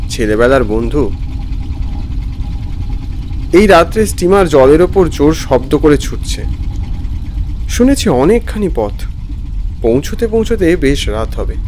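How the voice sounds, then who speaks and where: A man playing a weary traveller who narrates his own animated ghost story expressively. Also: on the high side, slight background noise. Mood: weary, mildly irritated. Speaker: narrator and main character. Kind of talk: dramatized first-person horror narration.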